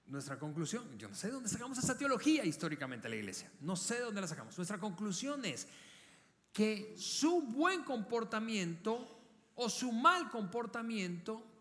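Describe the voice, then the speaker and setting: A high-pitched male pastor preaches in an earnest, talky way. He keeps repeating words and throws questions at his listeners. His voice rings out with a long reverb tail in a church auditorium. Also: big pitch swings, moderate pace, fairly bright tone. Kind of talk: sermon.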